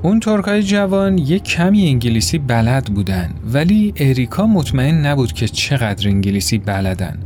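A man narrating a story in an expressive, acted-out way. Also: mid-range voice, few pauses, slight background noise. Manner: expressive, voices characters.

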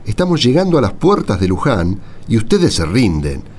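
Radio play role: persuasive, kindly man, played by an actor, coaxing, on the low side, very expressive. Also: normal speed, slight background noise. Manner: coaxing, encouraging. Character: friendly, persuasive male stranger cheering on weary pilgrims.

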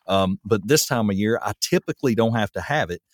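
A man's voice: fairly low pitch, brisk, no room sound, studio quality. A man hosting a podcast, chatting casually in a rambling way with plenty of fillers. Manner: rambling, relaxed, lots of fillers. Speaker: podcast host. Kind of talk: casual chat.

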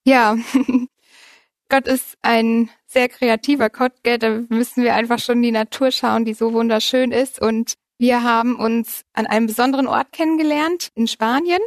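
Higher-voiced woman in her thirties telling a story. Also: fairly even intonation, normal speed, no room sound, clean studio sound. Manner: laughs often while telling her story. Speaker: interview guest. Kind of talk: personal storytelling in conversation.

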